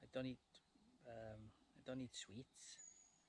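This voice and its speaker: A man speaks quietly at a very slow pace. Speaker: outdoor vlogger. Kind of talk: casual vlog talk to camera. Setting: outdoors in woods. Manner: quiet, lowered voice; hesitant with many fillers.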